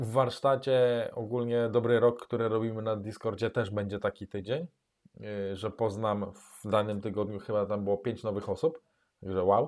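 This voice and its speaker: A man talks at a moderate pace with medium pitch and fairly even intonation, in an ordinary speaking voice. The recording is very clean, with a silent background. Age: 40s. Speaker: addiction recovery coach. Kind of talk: casual talk with reading from book. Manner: informal, conversational.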